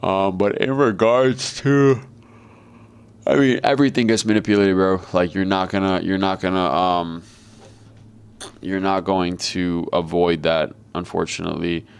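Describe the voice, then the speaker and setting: Very low, gravelly man talking markets. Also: unhurried, no room sound. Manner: flat, monotone delivery; casual and profane, blunt. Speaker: trader and market commentator. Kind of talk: live trading commentary. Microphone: video call.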